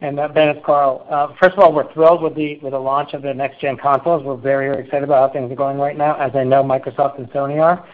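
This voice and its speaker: A male executive with a mid-pitched voice answers questions on an earnings call. The audio is thin and phone-like. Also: level tone, fast talker, few pauses. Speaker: company executive. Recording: tinny phone-like conference call.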